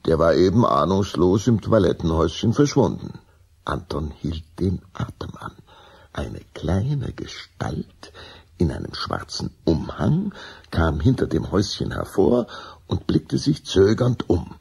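A man narrating a children's radio play as a suspenseful, deliberate storyteller. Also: deep voice, sing-song, vocal fry, a little mellow, breathy edge.

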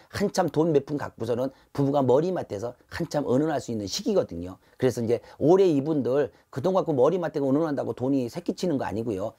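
A man's voice: medium pitch, mellow. A middle-aged man, a fortune teller, giving earnest, repetitive advice to camera from an indoor shrine room on a lapel mic. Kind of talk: fortune-telling talk to camera.

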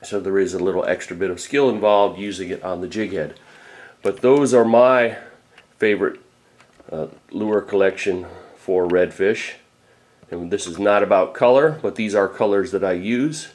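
A man's voice: sits low, normal speed, a little mellow. A middle-aged man, a fishing guide, giving a casual off-camera talk about lures in a plain, practical way with frequent fillers. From Florida.

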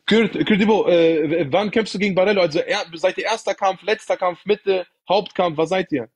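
A man's voice: sits high, brisk, husky. A man, casually questioning in street slang and insistently repeating himself. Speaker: questioner on a livestream.

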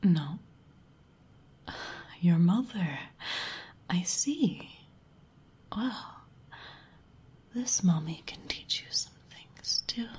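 A woman's voice: fairly low pitch, expressive, drawn-out words, pauses often, darkish tone, heavily acted. A woman voicing a powerful mature succubus mother in a sultry, teasing, condescending whispered role-play. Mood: imperious, seductive. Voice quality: very breathy, husky.

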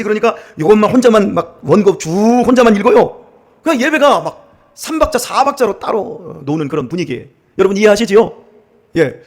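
A middle-aged man from central Korea, a pastor giving a sermon in a church, telling stories with humor and acting out the way other people talk. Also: sits high. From Chungcheong region, Korea. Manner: animated, acts out dialects and laughs while telling stories. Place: church sanctuary.

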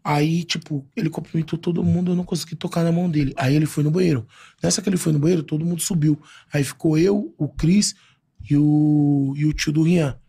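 Gravelly young man telling a story. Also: a little high, brisk. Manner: animated storyteller, acts out quoted voices with slang. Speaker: podcast guest. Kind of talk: casual storytelling.

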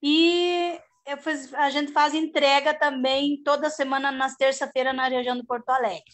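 High-voiced chatty woman on a video call. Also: flat delivery, moderate pace. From southern Brazil. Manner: chatty, rambling with many restarts and "né?". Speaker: organic farmer. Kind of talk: casual video-call panel talk. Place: home.

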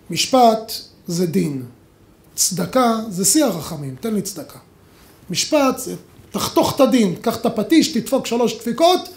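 A man giving a rabbi's lecture to an audience, telling stories dramatically and acting out the dialogue with big swings between loud and quiet. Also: reverberant. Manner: dramatic storytelling, acts out dialogue with big swings in pitch and volume. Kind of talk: lively Torah lecture.

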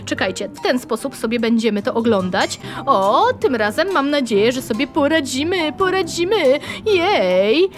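Woman host, game commentary; very high voice that jumps all over, rhyming and squealing, faint music underneath. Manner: makes up little rhymes while playing, squeals cries for help. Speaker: gaming channel host. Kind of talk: playful gameplay commentary.

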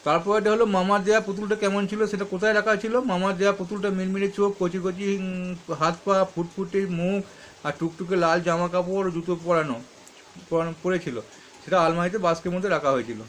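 High-voiced man explaining schoolbook answers. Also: steady tone, brisk, fairly bright tone, slight background noise. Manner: reads questions then answers, stops to correct himself. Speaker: teacher.

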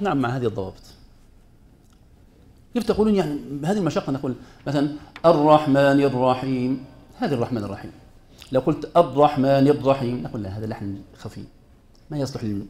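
A man teaches Quran recitation rules in a warm, mid-range voice, talking very fast and pausing often. He presses his points hard, quizzes students with rhetorical questions, and switches between formal Arabic and everyday speech.

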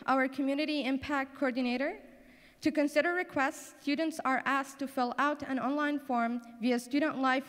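High-voiced young woman in an echoey hall. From Middle East. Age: young adult. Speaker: student speaker. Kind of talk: reading a prepared speech. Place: large auditorium stage. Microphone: handheld microphone. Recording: echoey auditorium.

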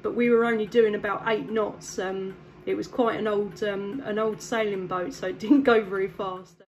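A woman's voice: medium pitch, steady tone, moderate pace, a little mellow. Upbeat English woman on CB radio. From south east England. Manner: friendly, upbeat, ends turns with "back to you". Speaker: CB radio operator. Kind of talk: casual radio chat.

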